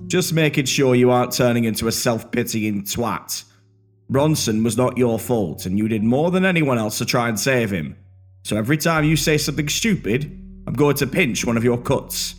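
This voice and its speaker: A man voicing a blunt, sardonic male medic who teases his comrade, over soft music. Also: medium pitch, moderate pace, pitched above the performer's own voice, natural voice. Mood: teasing. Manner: blunt, sardonic, deadpan teasing. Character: gruff male medic, dry and teasing.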